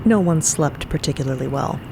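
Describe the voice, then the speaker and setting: A woman narrating a scripted story in a deliberate way, with wry conversational asides. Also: sits low, creaky, background noise. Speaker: podcast narrator.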